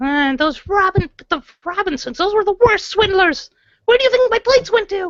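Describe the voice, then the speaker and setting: In a put-on character voice, a man pushes his pitch extremely high. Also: moderate pace. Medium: actual play. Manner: hesitant, stammering, wheedling.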